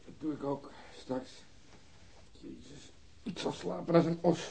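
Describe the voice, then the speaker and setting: An actor playing a weary, wry police colleague in a radio drama, with a dry, offhand delivery. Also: male voice, on the high side, a little slow, vocal fry, warm tone. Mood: tired, dry. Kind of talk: naturalistic radio drama acting.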